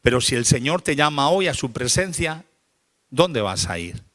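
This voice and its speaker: A male pastor preaching a sermon. He talks with repetitive, rhythmic calls to the congregation and swings from quiet, confessional passages to loud, rising climaxes. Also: mid-range voice, big pitch swings, normal speed.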